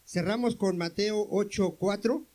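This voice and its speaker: High-voiced preaching man. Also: measured pace, darkish tone, poor audio. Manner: questions the congregation and answers himself; calls for amens from the congregation. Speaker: pastor. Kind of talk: sermon.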